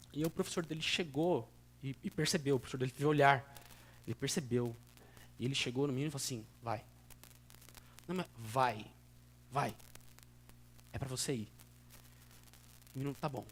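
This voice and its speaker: A young man preaching in a church in Brazilian Portuguese with a São Paulo accent, conversational and earnest, moving between soft asides and sudden emphatic bursts. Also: a little high. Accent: São Paulo state Brazilian Portuguese. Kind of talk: sermon.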